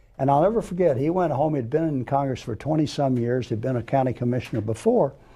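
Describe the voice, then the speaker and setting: A man with an American accent speaks at a very fast pace in a fairly high, somewhat breathy voice. His tone is dark and mellow, and his intonation lively. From Florida, Fort Lauderdale. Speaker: advocacy group leader. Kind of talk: TV call-in interview.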